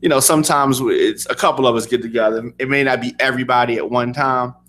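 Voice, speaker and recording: A man co-hosting a casual sports talk radio show, relaxed and easygoing, pausing often with ums. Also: medium pitch. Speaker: co-host.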